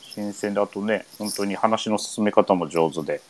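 Man, radio host, casual chat, easygoing, hesitant fillers, slightly low voice. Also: normal speed, a little hiss or hum. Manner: easygoing, leads with many fillers.

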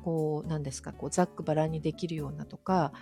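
A woman with a slightly low voice chats as a guest on a casual interview show, with music playing behind her. She is polite and self-deprecating, talking in a loose conversational way. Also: fairly even intonation, fast talker, creaky, dark tone. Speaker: podcast guest, audio streamer.

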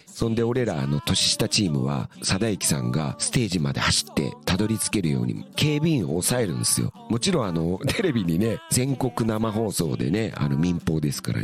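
A middle-aged man with a very deep voice that still swings widely in pitch, hosting a radio show. He tells loose, rambling stories and chuckles between them. Faint music plays under his talk. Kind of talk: casual radio storytelling.

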